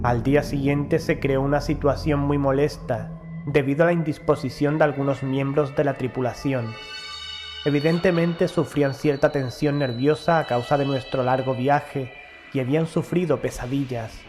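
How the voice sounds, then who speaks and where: A man reading a first-person horror story as an audiobook narrator, in a measured, formal storytelling delivery. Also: mid-range voice, steady tone, a little mellow. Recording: music behind the voice. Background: background music.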